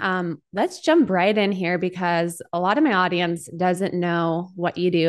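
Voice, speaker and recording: A woman with an Upper Midwest accent speaks against a quiet background. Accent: Upper Midwest American. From Minnesota, US Upper Midwest. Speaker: podcast host, functional medicine nutritionist. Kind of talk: casual interview chat.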